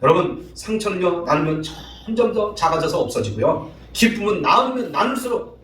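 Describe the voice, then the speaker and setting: Preaching a sermon in a church sanctuary, this male pastor performs spouses' lines in changed voices and livelily calls on the congregation to respond. His voice sits high at a normal speed, while the audio is poor, echoey, and distantly miked.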